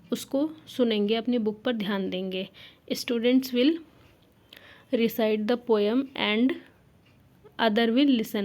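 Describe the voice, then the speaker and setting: Gravelly-voiced woman explaining a lesson plan. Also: on the high side, a little mellow. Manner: reads English lines slowly, then explains in Hindi. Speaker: teacher trainer.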